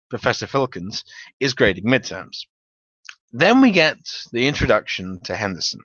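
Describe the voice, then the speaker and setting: Male narrator, theatrical and wry storytelling, very lively pitch, slightly muffled home recording. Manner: theatrical, animated, wry delivery with profanity. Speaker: narrator reading a story aloud. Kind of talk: dramatic reading of a humorous tabletop gaming story. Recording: dull, roomy home recording.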